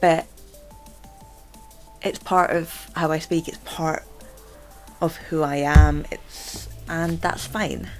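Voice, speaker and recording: A young woman with a low voice talks casually to the camera about herself. Her speech catches and repeats as she stammers, with many fillers. Soft music plays faintly behind her. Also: fairly even intonation, takes it slowly, long pauses. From Scotland. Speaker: channel host. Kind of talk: casual vlog chat.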